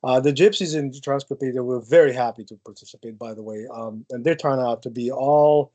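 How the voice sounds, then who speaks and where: A man's voice: mid-range voice, brisk, dark tone. A man answering audience questions over a video call, thoughtful and full of hesitant restarts. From Ukraine. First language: Ukrainian. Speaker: guest speaker, geneticist.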